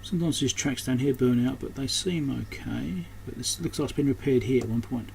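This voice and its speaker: A man's voice: medium pitch, brisk, darkish tone. A man giving casual, unscripted hands-on repair commentary, thinking aloud as he works. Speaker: host of an electronics repair channel. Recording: clearly noisy background.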